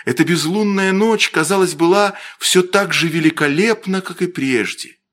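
A man reading a classic story aloud in slow, expressive literary narration. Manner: slow, expressive reading with wide pitch movement.

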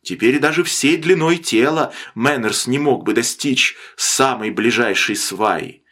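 Dramatic male audiobook narrator. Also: mid-range voice. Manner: expressive, dramatic reading with slowed emphatic phrases. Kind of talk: scripted literary narration.

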